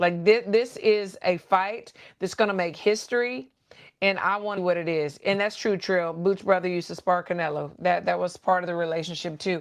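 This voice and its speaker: Against a quiet background, a woman speaks at a moderate pace in a medium pitch with fairly even intonation. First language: Spanish. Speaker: boxing podcast co-host. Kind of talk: casual chat.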